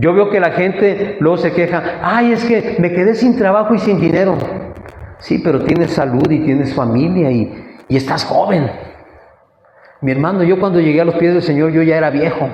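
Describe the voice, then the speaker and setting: Noticeable background noise and audible room echo fill the recording. A man speaks at a high pitch and moderate pace. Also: ordinary pitch variation, very even loudness. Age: 60s. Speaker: preacher. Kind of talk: sermon.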